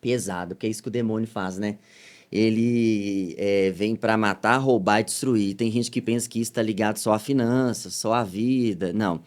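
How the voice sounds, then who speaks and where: A man from Minas Gerais with a Minas accent, telling a story as a missionary guest on a podcast, shifting between loud and soft. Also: lowish voice, fairly even intonation, moderate pace. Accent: Minas Gerais Portuguese. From Minas Gerais, Brazil. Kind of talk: podcast testimony.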